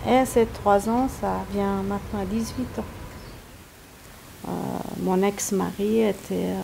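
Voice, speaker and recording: Slow, halting middle-aged woman from Iran. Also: medium pitch, steady tone, creaky, mellow, slight background noise. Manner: slow, searching for words, many hesitations. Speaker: interviewee, volunteer interpreter. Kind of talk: personal interview.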